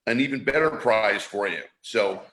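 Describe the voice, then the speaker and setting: A man's voice: lowish voice, moderate pace, noisy background. A middle-aged man from San Francisco hosting a live online show, talking casually with many restarts and fillers. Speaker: show host. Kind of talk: casual live-stream talk.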